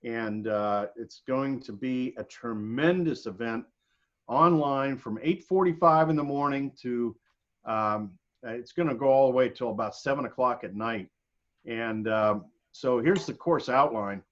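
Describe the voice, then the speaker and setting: An American man giving an informal slide presentation, speaking haltingly with frequent pauses mid-sentence. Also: medium pitch. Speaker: guest presenter. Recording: dull, lo-fi video call audio.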